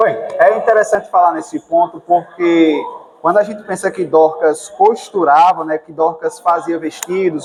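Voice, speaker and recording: Over noticeable background noise, a man speaks in a Pernambuco accent at a moderate pace with ordinary pitch variation. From Brazil, Pernambuco interior (Garanhuns). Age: 30s. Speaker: lawyer and church preacher. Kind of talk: interview about a sermon.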